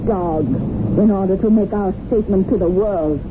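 An actress playing a fanatical, ruthless young kidnapper in a radio drama, commanding and declamatory in formal diction. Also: female voice, mid-range voice, moderate pace, natural voice. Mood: fanatical, cold. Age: young adult. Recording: muffled, very noisy old radio recording.

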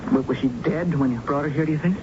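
An actor playing a guilt-stricken, distraught young son in a 1970s radio drama, pleading and stammering haltingly. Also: male voice, a little high, close to an everyday voice. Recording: dull, noisy 1970s radio broadcast.

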